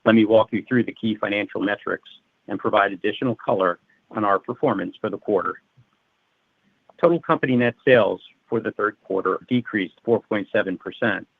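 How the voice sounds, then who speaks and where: Over a narrow-band conference call, a man in finance delivers prepared financial results, reading them formally and methodically. His lowish voice is creaky and husky, captured in a dry recording.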